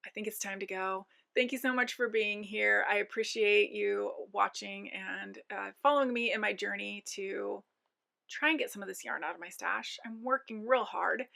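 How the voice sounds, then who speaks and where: Chatty woman with a gravelly edge. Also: medium pitch, moderate pace, pushed and bright. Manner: chatty, fillers, reads out numbers. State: losing her voice. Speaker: knitting vlogger. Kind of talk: casual to-camera vlog.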